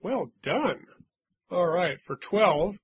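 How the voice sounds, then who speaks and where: Man, quiz host, slightly higher voice, husky, chatty and teasing. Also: expressive, very slow. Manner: reads clues, teasing and chatty. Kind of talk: casual game-show chat with friends.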